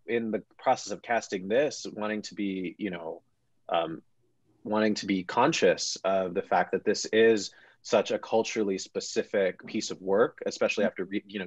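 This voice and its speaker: A man's voice: low voice, fairly even intonation, a little fast, no room sound, dull audio. A man of about thirty, an actor talking reflectively and casually as a panel guest, feeling out his thoughts in a hesitant way.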